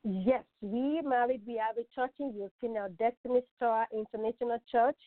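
A woman's voice: a little high, moderate pace, dry recording. Joyful Nigerian woman on a phone line. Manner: joyful and prayerful, laughing easily. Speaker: guest, pastor's wife and author. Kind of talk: interview answers. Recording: dry, tinny phone line.

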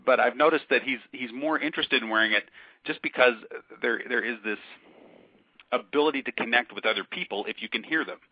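A man co-hosting a podcast, explaining science news thoughtfully, often pausing and restarting his sentences. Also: mid-range voice, no echo. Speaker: podcast co-host. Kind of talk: casual discussion of science news. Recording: dull lo-fi call audio.

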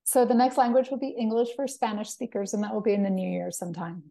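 Woman, slightly croaky voice, enthusiastic, interview guest, restarts and fillers. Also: mid-range voice, fairly even intonation, fast, mellow. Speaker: app founder guest. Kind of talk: interview conversation.

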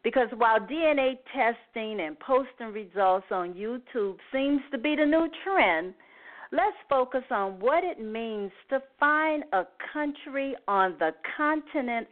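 A woman hosts a live call-in show in a deliberate way. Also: on the high side. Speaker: show host. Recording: tinny phone-like line.

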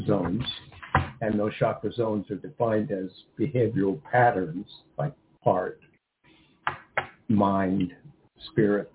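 A man co-hosting a casual talk radio show, explaining in a halting, rambling way and often rephrasing. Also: fairly low pitch. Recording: tinny phone-like line, faint hiss.

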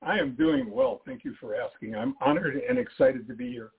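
Gravelly older man on a phone line. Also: medium pitch, wildly swooping pitch. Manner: halting, repeats himself, easygoing humor. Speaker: guest, author. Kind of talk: radio interview. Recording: tinny phone-line audio.

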